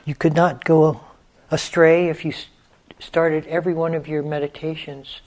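A man in his seventies leading a guided meditation, gentle and unhurried, with long pauses between phrases. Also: a little high, flat delivery. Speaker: meditation teacher.

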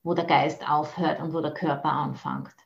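Deep, creaky, and steady in tone, this Austrian woman's voice moves at normal speed through a Buddhist dharma talk over a video call, captured in dull audio. She is a nun teacher who speaks thoughtfully, searching for words and mixing in English phrases.

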